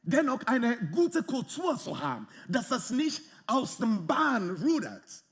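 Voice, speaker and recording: Man preaching, pretty high voice, super animated, german not his first, throws in english bits. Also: slow. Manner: animated, lively, often acts out quoted arguments; non-native German grammar, mixes in English phrases. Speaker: pastor. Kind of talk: sermon.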